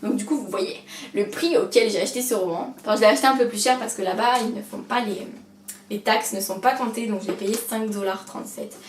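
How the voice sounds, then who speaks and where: A woman's voice: medium pitch, brisk. A young woman chatting to camera about her bookshelf, hesitant and self-mocking, full of fillers. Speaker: book vlogger. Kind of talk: casual chat to camera. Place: room at home beside her bookshelf. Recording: roomy echo, distant mic, faint hiss.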